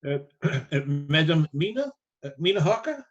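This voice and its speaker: Radio play: elderly scholar-hunter, grave and deliberate, formal rhetoric, voice a touch high. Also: male voice, very animated, lo-fi sound. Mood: gentle, solemn. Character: grave, probing elderly professor, a learned vampire hunter. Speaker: actor in a live radio play. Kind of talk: theatrical radio drama acting.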